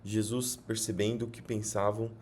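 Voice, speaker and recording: Low-voiced Brazilian man reading scripture. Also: flat delivery, darkish tone. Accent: Brazilian Portuguese. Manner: measured reading with small self-corrections. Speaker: Bible reader.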